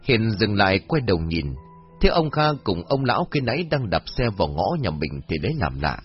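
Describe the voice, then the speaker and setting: A man narrating a horror story, reading expressively. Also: brisk. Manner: expressive reading with a wide pitch swing. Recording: slightly dull, dry recording with faint music.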